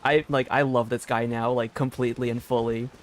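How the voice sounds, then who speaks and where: A man's voice: medium pitch, level tone, a little fast. A man giving casual live gaming commentary as a streamer, informal and thinking aloud in a meandering way. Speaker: game streamer.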